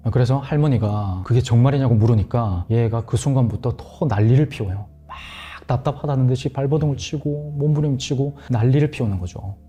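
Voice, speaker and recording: A man telling a ghost story in a hushed, dramatic way on a horror talk show, sometimes dropping to a murmur. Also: mid-range voice, husky.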